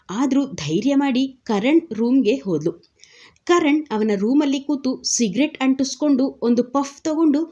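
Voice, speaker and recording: A woman narrating a serial novel in a steady, dramatic storytelling manner. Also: fairly high pitch, muffled recording.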